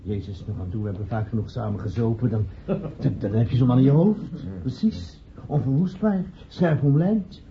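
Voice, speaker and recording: Man acting earthy painter, emphatic, halting phrases, radio play, dull noisy recording. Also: mid-range voice, vocal fry, lightly acted. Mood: blunt, fervent. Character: blunt, earthy bohemian male painter. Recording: muffled old radio recording with noise.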